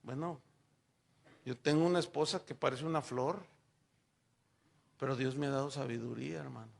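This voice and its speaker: An older man with a Mexican accent preaching a sermon, telling personal stories and acting out the dialogue with lively shifts of voice. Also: medium pitch, normal speed, vocal fry. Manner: animated storytelling, acting out dialogue in raised voices. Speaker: pastor.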